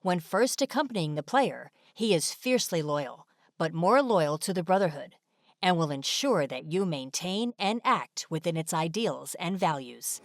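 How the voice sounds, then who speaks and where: A woman delivers scripted video narration in a fairly low voice. The sound is dry, like a studio voice-over, with no room echo. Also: expressive, moderate pace.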